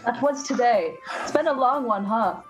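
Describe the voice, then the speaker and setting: A woman's voice: fairly high pitch, animated, normal speed, faint music behind, low-quality recording. A woman playing a tabletop game, chatting and bantering playfully in and out of character. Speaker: player. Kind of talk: casual tabletop role-play.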